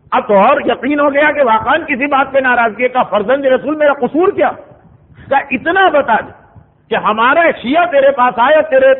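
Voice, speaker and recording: A man delivering a sermon as a story, with asides to his audience. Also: extremely high pitch. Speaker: preacher. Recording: tinny phone-like recording.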